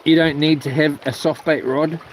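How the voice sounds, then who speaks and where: A man's voice: fairly high pitch, fairly even intonation, moderate pace, slight background noise. A man with a broad New Zealand accent chatting casually and slangily, half to himself, as he vlogs. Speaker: live streamer. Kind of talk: casual vlog chat, talking while tidying.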